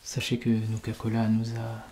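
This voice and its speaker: A man doing a soft-spoken ASMR roleplay as a courteous, reassuring shelter official, formal and soothing, at times close to a whisper. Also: fairly low pitch, monotone, normal speed, slight background noise. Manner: polite, formal, soothing, often drifting into whisper. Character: courteous, reassuring male vault shelter official welcoming a resident. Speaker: ASMR performer playing a fallout-shelter host.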